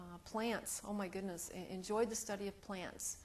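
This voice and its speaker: A woman speaks with an American accent at medium pitch. Her intonation is fairly even and her pace moderate. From Central Illinois, US Midwest. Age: 50s. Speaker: plant pathologist and soybean researcher. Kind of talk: oral history interview.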